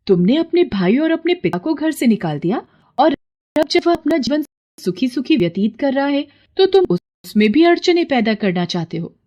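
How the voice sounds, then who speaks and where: A woman's voice: fairly high pitch, darkish tone. A woman voicing a righteous female pond goddess in a cartoon story, speaking in a commanding, scolding way.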